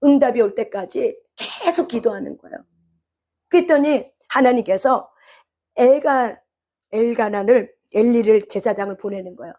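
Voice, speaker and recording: A woman preacher delivers a fervent sermon in a fairly high voice. She keeps putting questions to her listeners. Her voice rises into loud, pleading cries at the height of her words. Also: moderate pace. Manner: impassioned, rises to shouted cries when voicing prayer; asks the congregation rhetorical questions.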